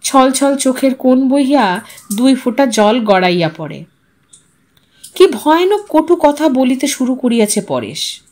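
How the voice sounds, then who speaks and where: High-voiced, animated woman storyteller. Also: a little slow. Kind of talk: expressive literary audio story narration.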